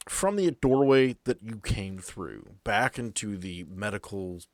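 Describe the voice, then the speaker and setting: A man's voice: lowish voice, animated, unhurried, dry recording. A man acting as game master, narrating a tabletop game in a casual, descriptive, slangy way.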